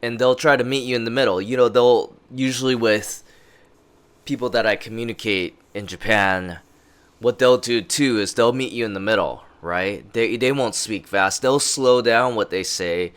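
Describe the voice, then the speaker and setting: A man vlogging casual advice in a slow, halting way, with many fillers and restarts. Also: mid-range voice, a bit bright, clear, resonant tone. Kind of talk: casual talking-head advice. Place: lives in Japan. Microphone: interview microphone.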